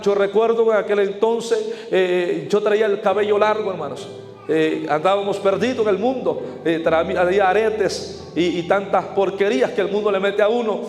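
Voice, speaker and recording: High-voiced preaching evangelist man. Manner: emphatic, keeps addressing listeners as brothers. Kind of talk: testimony sermon. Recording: echoey hall with faint music.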